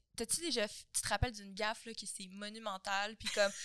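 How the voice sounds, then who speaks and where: A woman's fairly high-pitched voice moves along at a fairly quick pace. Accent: Quebec. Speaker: podcast host. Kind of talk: casual chat. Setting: studio.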